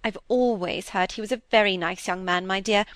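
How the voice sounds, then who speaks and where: A woman's voice: mid-range voice, brisk, a bit bright, dry recording, studio quality, close to an everyday voice. A woman voicing a bossy, gossiping elderly spinster who talks in an emphatic, scolding way. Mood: prying.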